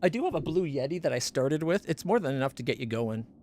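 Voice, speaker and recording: Man, streamer, casual gear chat, fairly high voice, rambling and self-correcting, close condenser mic. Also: animated, fast, a little mellow, a little hiss or hum. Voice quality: not very deep voice. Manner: rambling, self-correcting, stumbles over names. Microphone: studio condenser mic up close.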